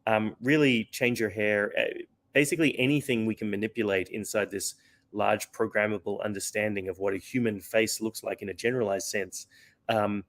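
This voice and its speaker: A man being interviewed as a company founder, explaining earnestly with frequent fillers and restarts while his voice is going hoarse. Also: fairly low pitch. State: losing his voice. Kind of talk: conversational interview answer.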